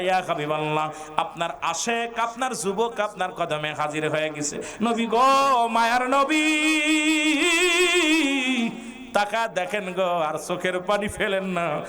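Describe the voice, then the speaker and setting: A male preacher telling a story in a sermon, dropping low, then shouting exhortations at a gathering and chanting Quranic verses in a melodic tone. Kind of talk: Bengali waz sermon, storytelling with chanted Arabic. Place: outdoor religious gathering.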